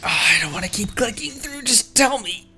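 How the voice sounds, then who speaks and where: A man's voice: sits high, lively intonation, normal speed. A man chatting casually on a live game stream, thanking viewers and laughing often.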